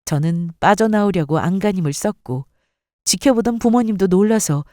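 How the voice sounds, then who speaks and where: A woman narrating a first-person drama story in an expressive, scripted style. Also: mid-range voice, moderate pace, no room sound, studio quality.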